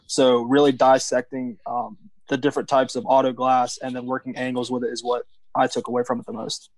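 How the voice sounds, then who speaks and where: A man guesting on a casual podcast chat, thoughtful and a little halting. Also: mid-range voice, little pitch movement, darkish tone, dry recording, low-quality recording. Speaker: podcast guest, training student.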